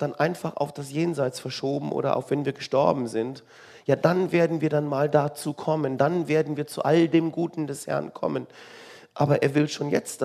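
A man's voice: fairly high pitch, creaky, darkish tone, breathy edge. A man preaching a sermon in a conversational, wry way, asking the listeners rhetorical questions.

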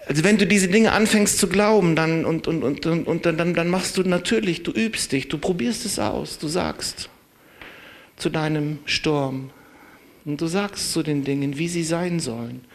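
A man preaching a sermon in a conversational, emphatic way. He chuckles at his own points, stretches key words out slowly and drops into quiet asides. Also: on the high side.

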